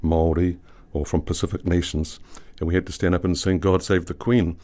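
An older man, a guest poet telling a history with wry, measured storytelling in a podcast interview. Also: low voice, level tone, a little mellow. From New Zealand.

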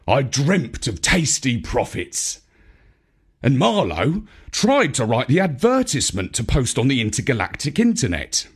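A male audiobook reader narrating a children's story. He takes his time, with a husky voice and a highly animated, expressive melody. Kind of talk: scripted first-person children's story narration.

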